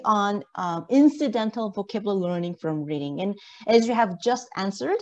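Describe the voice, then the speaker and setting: Over lo-fi, indoor video-call audio, a woman university lecturer with a medium-pitched, slightly mellow voice teaches an interactive online lesson. She's encouraging and asks questions to check that students understand.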